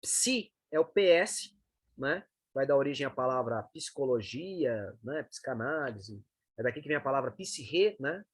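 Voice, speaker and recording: A man's voice: medium pitch, expressive, a little slow, breathy edge, dry recording. Man teaching the Greek alphabet. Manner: explanatory, frequent checking tags like "né" and "tá". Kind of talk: lesson on reading the Greek alphabet.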